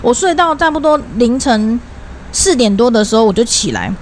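A young woman, co-hosting a podcast in casual chat and telling an eerie experience excitedly, with frequent restarts. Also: on the high side, a little hiss or hum. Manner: excitable, hurried, restarts often. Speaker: podcast co-host.

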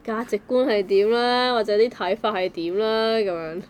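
A woman's voice: mid-range voice, steady tone, moderate pace, slight background noise. A woman with a Hong Kong Cantonese accent co-hosting a casual discussion, reasoning aloud with playful examples.

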